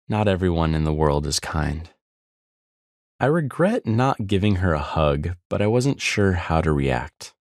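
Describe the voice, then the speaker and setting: Male author-narrator for a travel audiobook, low register, very dry sound. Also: no echo. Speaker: author reading own audiobook. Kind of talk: scripted narration, travel memoir.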